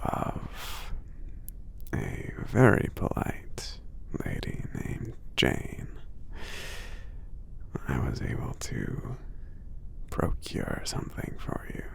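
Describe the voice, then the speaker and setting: A very low, heavily creaking voice of a kindly giant acted by a man in an ASMR roleplay. He murmurs very slowly and hesitantly, breathy and close to a whisper, with shy, polite gentleness. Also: huge pitch swings, exaggerated voice. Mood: shyly warm. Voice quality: breathy, husky. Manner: hesitant, murmuring, halting with many soft pauses. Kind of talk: ASMR roleplay, soft talking.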